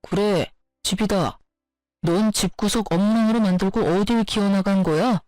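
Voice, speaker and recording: A woman's voice: medium pitch, moderate pace, dark tone, dry recording, natural voice. An irritated young husband snaps accusations at his wife, voiced by a woman storyteller. His tone is sarcastic and blaming. Dry, close sound with faint music behind. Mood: accusing.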